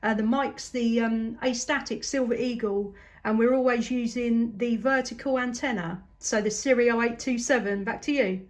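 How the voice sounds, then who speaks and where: A woman's voice: on the high side, fairly even intonation, moderate pace. A woman with a southern English accent chats casually and enthusiastically as a CB radio operator making long-distance contact. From southeast England. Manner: upbeat, enthusiastic, chatty.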